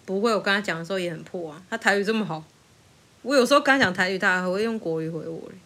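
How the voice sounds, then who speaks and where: A woman's voice: medium pitch, rapid-fire. A young woman with a Taiwanese Mandarin accent, chatting casually and telling stories with frequent laughter. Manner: animated storyteller who laughs often. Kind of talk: casual chat.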